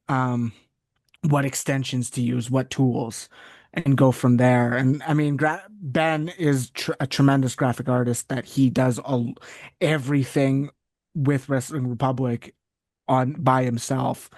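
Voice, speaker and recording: A man's voice: mid-range voice, darkish tone, no room sound. Rambling Canadian man in a dry room. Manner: rambling, restarts often, goes on tangents. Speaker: guest, wrestling site writer. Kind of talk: casual interview chat.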